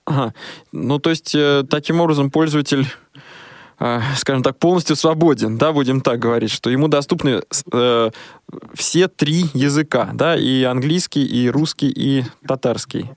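A man's voice: mid-range voice, normal speed, no echo, studio quality. A man hosting a radio interview, asking questions in a polite, hedging, hesitant way. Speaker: radio show host and interviewer.

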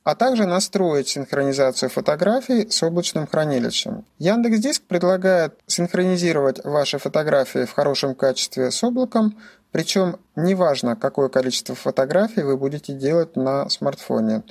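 A man's voice: a little high, animated, normal speed, vocal fry, a little mellow. A man giving scripted instructional narration as a tutorial presenter, explaining things methodically, step by step.

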